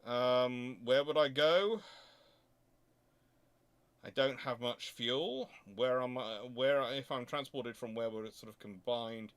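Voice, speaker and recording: A man speaks as the host of an informal history question session. His delivery is halting and unscripted, with frequent self-corrections as he reasons his way toward an answer at a middling pitch. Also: fairly bright tone, smooth. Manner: halting, thinking aloud with repeated self-corrections. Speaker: host of a naval history channel. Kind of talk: off-the-cuff answers to listener questions.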